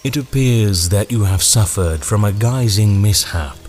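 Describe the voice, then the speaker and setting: An actor playing a menacing, eloquent ringmaster in an audio drama, speaking in deliberate, theatrical, archaic phrases. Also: male voice, on the low side, a little mellow, close to an everyday voice. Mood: courtly, sly.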